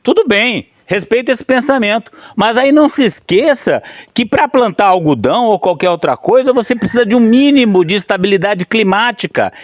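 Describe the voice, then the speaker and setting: A Brazilian man speaks on the high side with a lively, rising and falling voice. He sounds indignant, stumbles and restarts, and keeps asking "right?". His voice is close and dry, with no room echo. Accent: Brazilian Portuguese. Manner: indignant, with many restarts and tag questions. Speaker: channel host commenting on a newspaper article. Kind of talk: opinionated video commentary.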